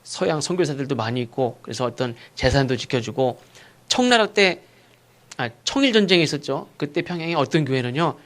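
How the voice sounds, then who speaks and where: A male pastor preaching a sermon, asking rhetorical questions and acting out sharp rebukes. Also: medium pitch, animated, fairly quick. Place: church sanctuary.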